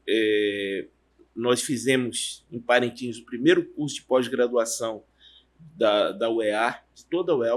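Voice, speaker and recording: Husky-voiced Amazonian professor, halting. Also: male voice, medium pitch. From Amazonas, Brazil. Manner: rambling, halting storytelling with restarts. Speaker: university professor, guest. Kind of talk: relaxed career interview.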